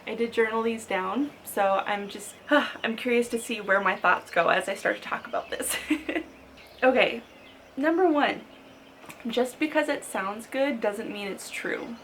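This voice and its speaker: A woman's voice: on the high side, a little slow, a bit bright, a little hiss or hum. A woman of thirty talking to camera in a casual sit-down vlog, chatty and upbeat, full of "like" fillers. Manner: chatty, frequent "like" fillers, upbeat with light laughs. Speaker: lifestyle vlogger.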